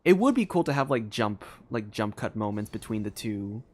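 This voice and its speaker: A casual, expressive streamer reacting live to a game. The voice is medium in pitch and highly animated, rising and falling freely. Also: moderate pace.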